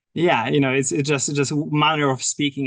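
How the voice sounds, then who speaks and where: The speaker has a non-native accent and fairly even intonation. The sound is dry and close with no echo, and the background is quiet. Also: man. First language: not English. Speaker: spiritual teacher. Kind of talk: casual chat. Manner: halting, many repetitions.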